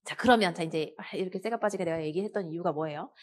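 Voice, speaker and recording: A woman's voice: fairly low pitch, quick pace. A woman in her thirties with a Busan accent, giving a casual lecture and telling personal stories, acting out the lines she quotes. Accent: Busan Gyeongsang. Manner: lively storytelling, acts out quoted lines.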